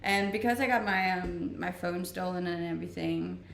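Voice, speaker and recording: A woman's voice: lowish voice, normal speed, gravelly, fairly bright tone, recorded from a distance. Chatty young Danish-born woman streaming. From Denmark. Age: 20s. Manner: chatty, laughing often, restarting sentences. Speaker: live streamer. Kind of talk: casual chat reading stream comments. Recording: roomy echo, voice off-mic, faint noise.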